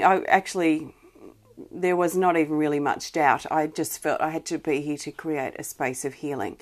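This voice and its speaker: A woman hosting a live healing-guidance stream, speaking gently with many pauses, a bit wheezy from irritated lungs. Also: sits low. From Australia. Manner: soft, gentle, greets viewers by name, many ums and restarts. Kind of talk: live-streamed spiritual chat.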